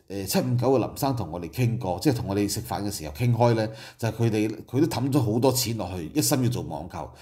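A middle-aged man with a Hong Kong Cantonese accent talks through company figures in a relaxed commentary style. His voice sits at an ordinary pitch and has a warm, mellow tone. He adds asides and rhetorical questions as he explains. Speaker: political commentary host. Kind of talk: casual commentary.

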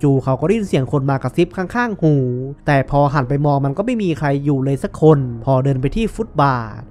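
A man's voice: on the high side, lively intonation, brisk, darkish tone. A man recapping a film in a chatty, colloquial way, tossing playful slangy nicknames at the characters. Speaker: movie recap narrator. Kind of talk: casual spoken movie recap.

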